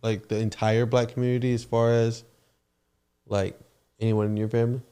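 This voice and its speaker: A man hosts a podcast in a relaxed, conversational way. His voice sits at a medium pitch. He laughs easily as he talks. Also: normal speed, smooth. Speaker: podcast host. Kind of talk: casual chat.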